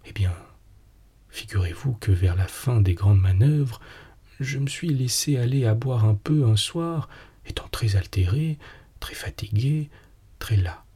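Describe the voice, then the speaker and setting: A man's voice: medium pitch, expressive, a little slow, mellow. A man whispering as a guilty, hesitant husband, whispered role-play. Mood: reluctant. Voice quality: whispered, breathy. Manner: reluctant, hesitant. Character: embarrassed remorseful husband, an army officer.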